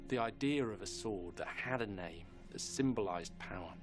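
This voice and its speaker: A man's voice: on the low side, lively intonation, moderate pace. A man explaining history emphatically, as a commentator interviewed for a documentary. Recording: loud music bed behind voice.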